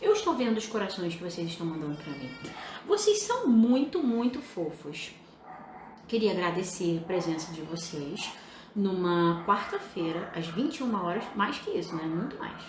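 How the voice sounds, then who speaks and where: A young adult woman teaching writing on a live stream, emphatic and lively, addressing her students directly. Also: on the low side, moderate pace. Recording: echoey room with faint hiss.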